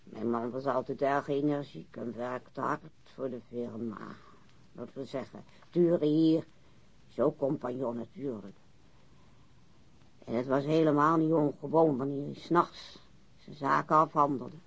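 A woman playing a prickly, tipsy widow with refined, haughty airs and a husky, creaky voice in a radio drama. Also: very deep voice, fairly even intonation, unhurried, highs cut off, full character voice. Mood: rambling.

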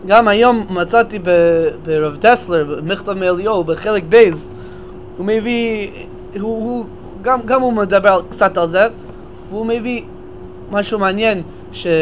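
High-voiced man giving a Torah lecture. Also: a little hiss or hum. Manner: explains step by step, often restarting words. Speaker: speaker at a memorial gathering.

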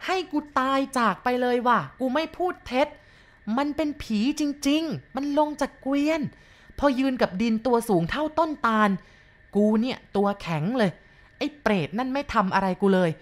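Woman reading as a rough man telling a ghost tale. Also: on the high side, pitched above the performer's own voice, close to an everyday voice. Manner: coarse, blunt storytelling. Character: rough young man boasting of a ghost encounter.

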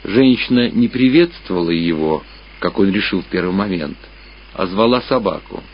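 A man reading literary fiction aloud as a narrator, with measured, expressive dramatic storytelling. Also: sits low, a little hiss or hum. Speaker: audiobook narrator. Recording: muffled radio-style sound, music behind. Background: clear background music.

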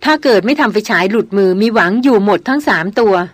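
A seasoned male jungle guide, played by a woman reader who tells what happened in a flat, unhurried way. The delivery stays slow and plain. The recording is dry and close. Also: medium pitch, dry recording, natural voice. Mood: calm.

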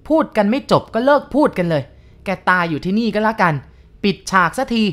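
A woman's voice: mid-range voice, expressive, pitched above the performer's own voice, natural voice. Woman doing a harsh, lecherous old man. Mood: menacing. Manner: harsh, threatening, drawn-out shouting.

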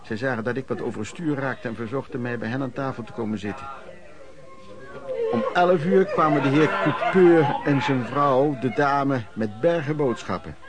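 A male actor plays an earnest storyteller in a radio drama. He recalls events with aghast expressiveness in a medium-pitched voice, a crowd audible behind him. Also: normal speed, natural voice. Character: male storyteller recalling lodging-house misery, shocked and earnest. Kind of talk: radio play narration.

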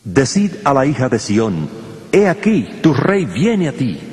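An ancient prophet proclaims grandly in a biblical drama. The mid-pitched voice swoops widely and rings with long hall reverb. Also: male voice, big pitch swings, a little slow, a little mellow. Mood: exalted.

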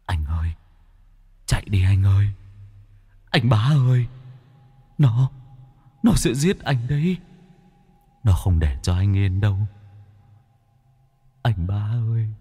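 A man's voice: mid-range voice, dark tone, breathy edge, big-room sound, voice pushed up, heavily acted. A man voicing the ghost of a murdered young man who pleads with his brother in a mournful, wailing way.

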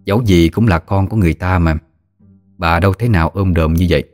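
A man tells a ghost story in a steady, somber way. His voice is very deep, and soft music plays faintly underneath. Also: fast.

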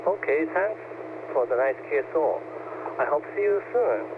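A man with a Japanese accent replies in measured, formal call-sign phrasing over a shortwave radio transmission. His voice comes through narrow and tinny with a clear hiss of static behind it. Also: a little high, expressive. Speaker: radio show director answering a demo call. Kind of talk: scripted ham radio exchange in English.

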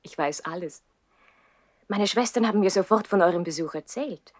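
An actress playing a coy, gentle seventeen-year-old noble girl in a 1960s radio play, with a soft manner. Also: fairly low pitch, normal speed, natural voice. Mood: friendly, coy.

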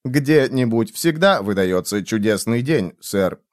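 Мужчина, читающий аудиокнигу, озвучивает услужливого робота-бармена холодным, механическим, однообразным голосом. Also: male voice, lowish voice, expressive, measured pace, dry recording, clean studio sound. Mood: beaming. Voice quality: cold, mechanical, repetitive. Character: cold, obliging male robot bartender. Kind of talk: audiobook reading.

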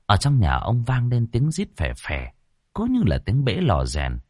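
Lively male storyteller. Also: medium pitch, a little slow, no echo, soft background music. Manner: vivid, expressive telling. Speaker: narrator. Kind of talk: dramatic storytelling narration.

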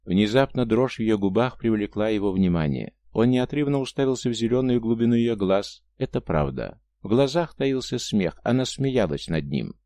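A man narrating an audiobook in a calm, measured storytelling manner. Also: on the low side, no echo. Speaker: audiobook reader. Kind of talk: scripted narration.

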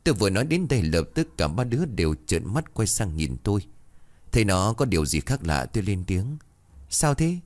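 Male horror storyteller, deep voice, expressive scripted narration. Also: a little fast. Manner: dramatic, suspenseful reading.

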